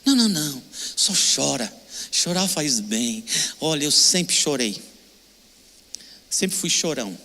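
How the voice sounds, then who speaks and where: A man's voice: a little high, big pitch swings, measured pace, pauses often, bright, forceful tone, long reverb tail. An older man preaching a sermon with a Brazilian Portuguese accent, emotional and emphatic, repeating short phrases. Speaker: pastor.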